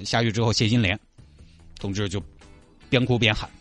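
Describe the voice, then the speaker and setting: A man's voice: lowish voice, fairly even intonation, normal speed, music in the background. A man with a Sichuanese accent telling a comic story, sliding into mock-solemn, pseudo-poetic recital.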